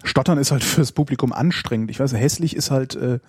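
A man's voice: medium pitch, fairly quick, darkish tone, husky, no room sound. A man casually chatting as a host answering listener questions, in a dry, informal manner. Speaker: podcast and radio host.

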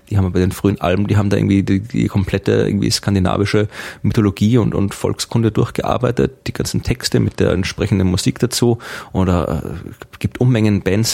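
A man's voice: deep voice, vocal fry, darkish tone, no echo. A man in casual chat, hesitant with many fillers and dry jokes.

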